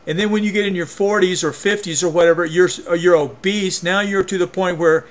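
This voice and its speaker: A man's voice: high-pitched, steady tone, brisk. A man delivering an opinion rant to camera as a vlogger, emphatic and folksy, often restarting and repeating his phrases.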